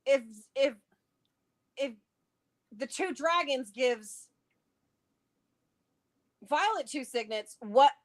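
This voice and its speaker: A woman chatting casually and excitably, theorizing and thinking aloud as co-host of a livestream. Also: high-pitched, drawn-out words, long pauses. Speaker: co-host of a book read-along livestream. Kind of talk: casual chat, theorizing about a fantasy novel.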